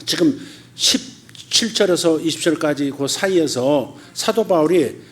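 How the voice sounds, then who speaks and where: A middle-aged man preaching a sermon as pastor, talking colloquially and animatedly, laughing often and acting out quoted voices in sudden loud high bursts. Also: lively intonation, a little slow.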